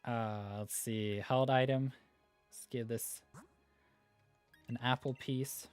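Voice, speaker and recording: Norwegian-accented guy streaming games, rambly chill chat, mid pitch, dry sound. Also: steady tone, slow pace, smooth, no echo, soft background music. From Norway. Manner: laid-back, rambling, many fillers. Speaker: livestream host. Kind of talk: casual live-stream chat reading viewer comments.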